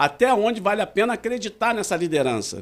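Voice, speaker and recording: The man's voice sits high in pitch. He keeps a moderate pace. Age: 60s. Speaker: local politician. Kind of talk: podcast interview.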